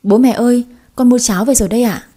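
A woman voicing an anxious young daughter, pleading in a higher voice. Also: fast talker, mellow, lightly acted. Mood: frightened.

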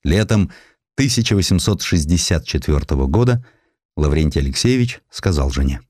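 A man narrating historical essays from a script in an expressive storytelling way, with ironic, conversational asides. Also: rumbling low, normal speed, no room sound, studio quality. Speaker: audiobook narrator. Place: studio.

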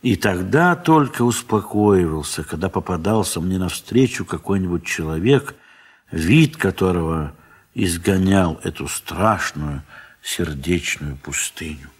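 A man narrating a literary audio play in an expressive, measured theatrical manner with deliberate pauses. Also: low voice, breathy edge. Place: recording studio.

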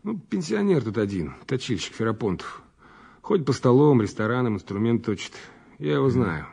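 An actor playing a matter-of-fact police officer giving a plain, colloquial report in an audio drama. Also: male voice, medium pitch, very animated, normal speed, creaky, a little mellow, breathy edge, exaggerated voice. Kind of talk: Russian audio drama acting.

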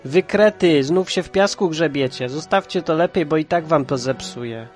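A loud, mocking teenage bully, put on by a male storyteller. He sneers and threatens in a slightly raised voice, with soft music underneath. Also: fairly high pitch, normal speed, close to an everyday voice. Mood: sneering. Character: rough teenage bully boy, scornful and threatening.

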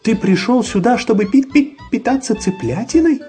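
A man's voice: extremely high pitch, moderate pace, dark tone, faint music behind, pitched above the performer's own voice. A man voicing a small fussy young hen in a storybook, with a stammer on chirping syllables. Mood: flustered.

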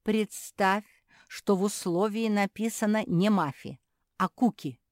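A patient older sister creature from a storybook, explaining each point slowly and carefully, as a woman puts her on. Her voice sits somewhat higher than plain talk, in a dry close recording. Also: no echo, lightly acted.

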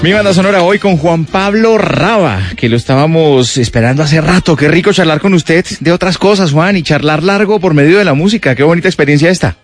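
A man's voice: on the high side, lively intonation, fairly quick, few pauses, faint music behind. A man from Colombia hosting a radio interview, asking questions in a friendly way and giving short replies. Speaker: radio host. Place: radio studio.

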